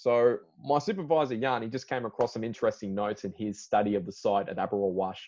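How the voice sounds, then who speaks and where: A man with an Australian accent, very fast and with hardly any pauses, ordinary pitch variation, quiet background. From Sydney, Australia. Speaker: archaeologist; guest. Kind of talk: interview. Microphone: video call.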